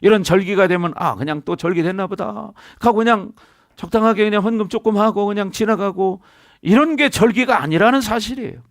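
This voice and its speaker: A high-pitched man preaches a sermon, repeatedly prompting his congregation for answers and amens. His voice is captured close and dry, with almost no room sound around it. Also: a little fast, dry recording. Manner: preaching with call-and-response to the congregation. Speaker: senior pastor. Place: church sanctuary.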